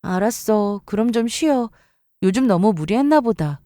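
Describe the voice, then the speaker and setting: Female narrator as caring bride-to-be, story-radio dialogue, attentive and casual, mid-pitched, dry sound. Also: expressive, normal speed, warm tone, no room sound, natural voice. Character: caring, agreeable young bride-to-be.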